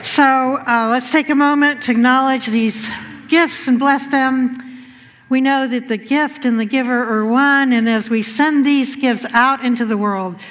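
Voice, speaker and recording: A woman leading a church service with blessings and announcements, speaking in measured, reverent phrases. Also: sits high, steady tone, fairly bright tone. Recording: dull, long hall reverb.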